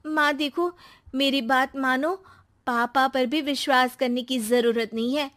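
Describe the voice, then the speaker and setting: A woman's voice: high voice, steady tone, a little slow, a bit bright. A woman voicing a scheming young daughter in a cartoon who wheedles and manipulates her mother. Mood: wheedling. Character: scheming young woman plotting to seize family home.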